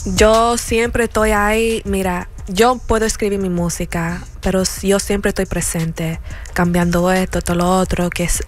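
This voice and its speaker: A young woman from New Jersey, chatting as a singer guest in a casual interview, bubbly and mixing in English words. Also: on the low side. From New Jersey, USA. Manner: bubbly, says "mi amor", mixes English words.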